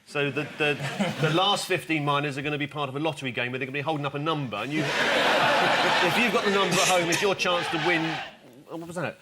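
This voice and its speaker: A man's voice: on the high side, fairly even intonation, quick pace, very noisy. A man, a comedy quiz panellist, musing with lots of uh and um. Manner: hesitant, filler-heavy musing.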